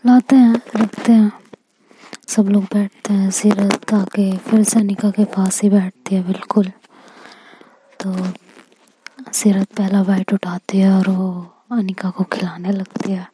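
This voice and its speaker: A woman telling a romantic story in a hushed, intimate whisper. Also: medium pitch, level tone, slow pace, slight background noise.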